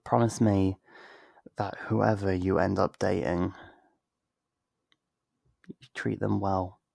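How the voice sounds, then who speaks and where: A man acts out a wistful, tender best friend in an intimate ASMR roleplay. The voice is low and gravelly, and the words come slowly and earnestly, with soft pauses. It is recorded very dry and close to the mic. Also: little pitch movement, dry recording, full character voice. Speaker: ASMR voice actor. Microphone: close studio mic, dry.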